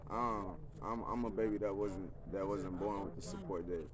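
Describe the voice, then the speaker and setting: Deep-voiced laid-back man from Louisiana. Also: fairly even intonation, moderate pace. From Louisiana, USA. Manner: laid-back, keeps saying "you feel me". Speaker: musician guest. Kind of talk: casual interview. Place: outdoors in a city park. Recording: outdoor park with crowd noise.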